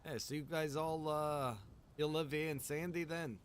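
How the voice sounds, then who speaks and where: A man's voice: fairly high pitch, steady tone, normal speed, slight background noise. A man improvising casual in-character chat in an online roleplay game, with a hesitant, easygoing manner. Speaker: roleplay game streamer playing a survivor.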